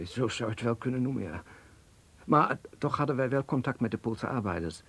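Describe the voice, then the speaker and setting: An actor playing an earnest young Polish-Jewish revolutionary in a Dutch radio play, lecturing with hesitant pauses. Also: male voice, medium pitch, lively intonation, a bit bright, slightly rough. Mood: grave, recollecting. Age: young adult.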